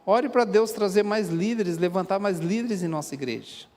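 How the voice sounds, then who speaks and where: Man, Brazilian Portuguese accent, pastor preaching, high voice, earnest and conversational, long church reverb. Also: moderate pace, darkish tone. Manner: earnest, conversational preaching with direct questions to the congregation. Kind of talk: sermon. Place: church sanctuary.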